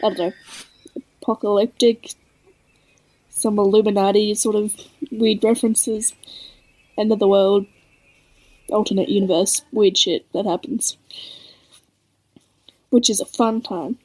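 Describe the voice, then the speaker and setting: Slow-talking woman podcast co-host. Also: medium pitch, steady tone, darkish tone, poor audio. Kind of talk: casual chat.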